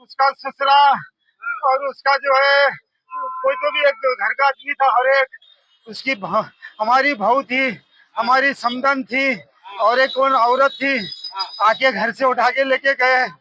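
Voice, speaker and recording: An older man, pleading and halting as he speaks in a street interview. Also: very high voice, fairly even intonation, pushed and bright, no echo, dull audio. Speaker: victim's father.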